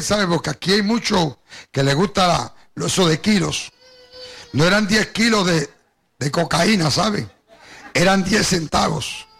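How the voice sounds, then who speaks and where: An older man from Puerto Rico preaches, relating his own testimony straight to his congregation. His voice sits high with a fairly bright tone, and he has a Caribbean Spanish accent shaped by both Puerto Rican and Cuban influences.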